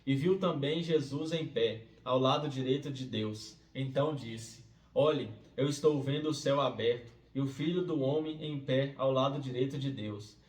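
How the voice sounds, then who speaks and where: A man reading a Bible passage aloud and then reflecting on it as a devotional host, in a steady reading manner that turns quiet and conversational. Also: mid-range voice, normal speed, hardly any pauses. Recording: roomy, distant from the mic, faint hiss.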